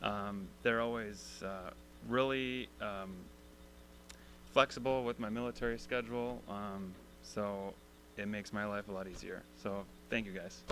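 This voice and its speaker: A man's voice: fairly low pitch, steady tone, a little slow, background noise. A man, a city staff member and army reservist, giving hesitant thanks full of ums.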